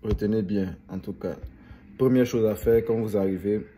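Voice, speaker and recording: A man's voice: on the low side, steady tone, moderate pace, mellow, a little hiss or hum. A young man chatting casually to viewers as a vlogger, rambling and repeating phrases for emphasis. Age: young adult.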